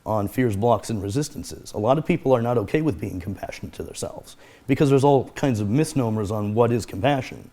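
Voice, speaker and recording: A man with a low, soft-edged voice talks through ideas as a guest therapist. He explains earnestly and circles back to repeat the phrases he wants to stick. His delivery is conversational and steady. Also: brisk.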